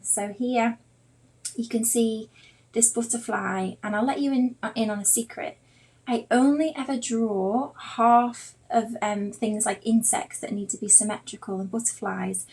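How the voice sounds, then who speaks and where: A woman's voice: fairly high pitch, darkish tone. A woman with a Liverpool accent teaching art in an informal live stream, chatting in a rambling way straight to her viewers. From Liverpool, England. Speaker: artist and online drawing teacher.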